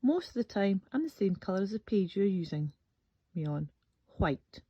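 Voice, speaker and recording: A woman's voice: mid-range voice, big pitch swings, moderate pace, breathy edge. A woman voicing a forlorn, plaintive white crayon in a children's storybook. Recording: dull, echoey room recording.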